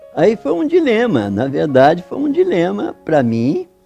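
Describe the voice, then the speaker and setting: A very slow male voice with very wide pitch swings, music playing behind it. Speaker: former communist militant. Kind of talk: life-story interview answer.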